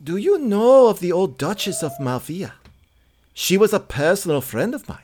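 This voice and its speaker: A man's voice: high-pitched, very animated, moderate pace, a little mellow, a little hiss or hum. A man voicing a kindly white-haired old gardener, once a nobleman, who speaks in a courteous, soothing way.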